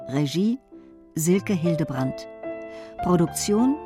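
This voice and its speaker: Slow female radio announcer over music. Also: on the low side, animated. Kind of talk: scripted radio drama credits. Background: instrumental music.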